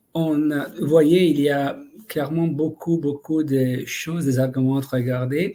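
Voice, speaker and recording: Speaking at a very slow pace, a man with a dark, mellow tone keeps a fairly high pitch and fairly even intonation. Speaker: cosmetics scientist, lab co-founder. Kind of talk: webinar presentation. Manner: halting, many hesitations.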